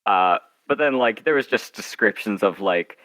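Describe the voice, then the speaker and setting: A man being interviewed as an author, chatting casually in a wry, self-deprecating way, haltingly and with little acted-out asides. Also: fairly low pitch, expressive, sharp tone, no room sound, poor audio.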